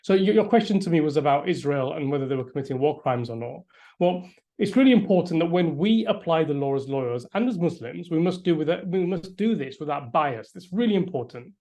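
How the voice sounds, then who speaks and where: A man's voice: fairly high pitch, mellow. A middle-aged man from Yorkshire, a lawyer, speaking earnestly and with emphasis at a community briefing, often repeating words as he restarts. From Yorkshire, England. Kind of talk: earnest public address.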